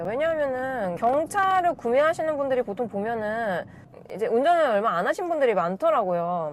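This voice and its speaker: Over noticeable background noise, a woman with a high voice speaks at a fairly quick pace, her pitch swinging very widely. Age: 20s. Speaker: car reviewer. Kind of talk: casual review while driving. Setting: in a car on highway. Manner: conversational, animated.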